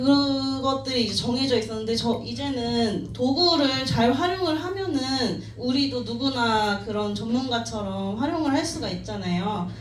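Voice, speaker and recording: A woman speaks at a very slow pace with a high pitch. Noticeable background noise and audible room echo fill the recording. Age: 30s. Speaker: team member giving a talk at a business meeting. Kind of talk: motivational talk at team meeting. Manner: halting, with fillers.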